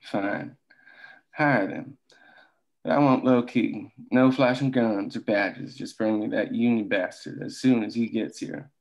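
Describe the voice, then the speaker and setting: A man's voice: on the low side, unhurried. A man reading the part of a cold, commanding, villainous company boss, curt and authoritative, on lo-fi audio in a drama table read. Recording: dull lo-fi audio.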